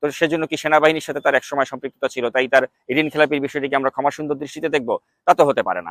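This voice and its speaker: A man's fairly high voice, flat and monotone, with a dry, close sound and no echo. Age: young. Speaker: political commentator. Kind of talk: monologue commentary.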